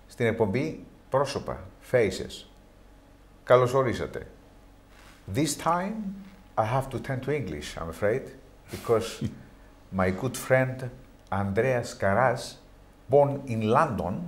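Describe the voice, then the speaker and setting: A man's voice: mid-range voice, expressive. A man with a Greek accent hosting a TV interview, switching between Greek and careful, hesitant English. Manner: slow, hesitant in English, with frequent backchannel uh-huhs. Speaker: TV interview host.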